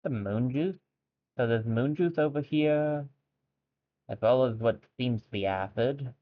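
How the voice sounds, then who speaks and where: A man's voice: medium pitch, unhurried. A man streaming a video game and thinking aloud in casual commentary, with wry jokes at his own expense. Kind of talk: casual let's-play commentary. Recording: tinny phone-like sound.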